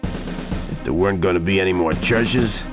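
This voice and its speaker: A man's voice: low-pitched, moderate pace. A man playing a proud, defiant combat pilot, giving a tough, brooding monologue in a game cutscene. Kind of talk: dramatic first-person game monologue. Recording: loud music under the voice.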